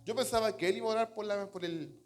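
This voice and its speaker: A man's voice: sits high, fast. A man with a Chilean accent preaching a sermon as pastor, earnest and storytelling, often calling listeners brother. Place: church.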